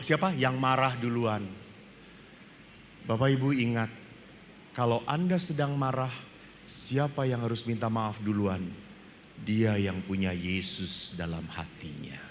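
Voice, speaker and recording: A man's voice: medium pitch, slow, long pauses, a little hiss or hum. A man with an Indonesian accent, a Catholic priest giving a humorous sermon and acting out little dialogues. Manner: animated storytelling, acts out dialogue. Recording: reverberant hall, faint ambience.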